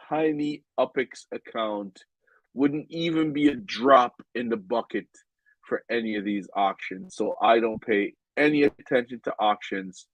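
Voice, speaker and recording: A man's voice: mid-range voice, vocal fry, no echo, muffled recording. A man with a stuffed-up, nasal voice giving casual game commentary in a rambling way, with many ums and restarts. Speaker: game vlogger.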